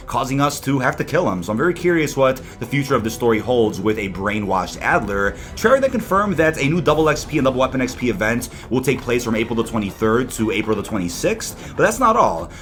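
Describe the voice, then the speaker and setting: Man, gaming news host, lively swooping intonation, medium pitch, emphatic scripted commentary, faint music behind. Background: background music.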